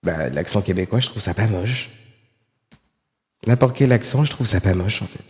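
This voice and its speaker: A man streaming live, tossing out sarcastic, rambling remarks full of hesitations. His voice sits a little low, and it rings with a long reverb as if the room were large and bare. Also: moderate pace, darkish tone. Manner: sarcastic, rambling, many fillers. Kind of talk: live reaction commentary.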